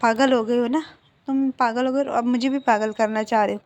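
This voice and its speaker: A woman's voice: fairly high pitch, steady tone, fairly quick, a little mellow, highs cut off, lightly acted. A woman voicing a hurt young man who answers curtly and tries to push his lover away, in a retold fan-fiction story. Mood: exasperated.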